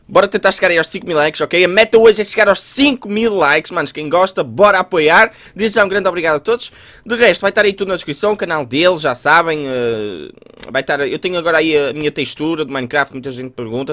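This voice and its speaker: A young man with a European Portuguese accent and a cold, hosting casual gameplay commentary on a headset mic, excitable and swearing casually. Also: on the high side. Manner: fast, excitable, laughs a lot, swears casually. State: congested with a cold. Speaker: gaming host.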